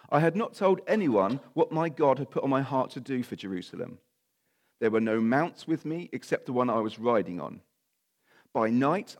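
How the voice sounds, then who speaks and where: A man delivering a sermon, his voice croaky and slightly nasal from a week of coughing. He reads a long scripture passage at a middling pitch, breaking off now and then for casual, apologetic asides to the congregation. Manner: informal, apologetic asides while reading scripture. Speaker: preacher. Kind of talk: sermon with Bible reading.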